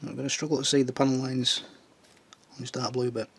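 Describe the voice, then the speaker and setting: A man with a Northern English accent talks through his model painting in a relaxed, chatty way. His voice is husky and slightly strained, as if still getting over a throat illness. It sits at an ordinary middle pitch. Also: a little fast. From Northern England. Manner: chatty, jokey asides while working. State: recovering from tonsillitis, voice strained. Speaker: scale model builder. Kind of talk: casual tutorial while painting a model.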